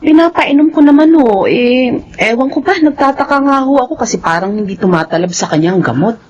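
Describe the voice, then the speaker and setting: A woman's voice: fairly high pitch, expressive, brisk, a little mellow, a little hiss or hum, close to an everyday voice. A woman playing a worried, devoted wife. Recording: dull lo-fi sound with faint music.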